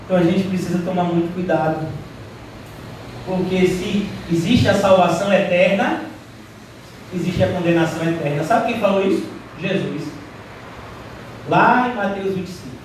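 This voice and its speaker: A man preaching a sermon as pastor, animated, mimicking the voices of doubters, recorded in a church hall from a distance. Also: high voice, moderate pace, long pauses, slight background noise. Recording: echoey hall, heard from a distance.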